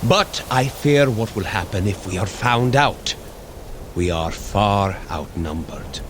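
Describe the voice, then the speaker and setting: An actor playing an earnest, blunt male warrior god in an audio drama, measured and solemn. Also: fairly low pitch, animated, background noise. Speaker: Thor.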